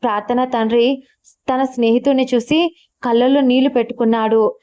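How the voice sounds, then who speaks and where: A woman narrating a love story in a steady, even reading style. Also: on the high side, a little fast, clean tone.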